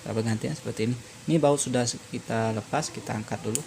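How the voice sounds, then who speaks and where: A man narrating an informal hands-on repair tutorial as presenter, explaining step by step in a halting way with frequent pauses. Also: mid-range voice, vocal fry, a little mellow, slight background noise.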